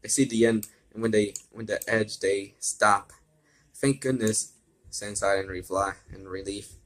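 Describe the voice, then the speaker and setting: A man with a fairly low voice reads fan fiction in an amateur, informal way. He often trips over words, repeats phrases and drifts into casual commentary. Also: little pitch movement, moderate pace, a bit bright. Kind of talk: amateur story reading with casual asides.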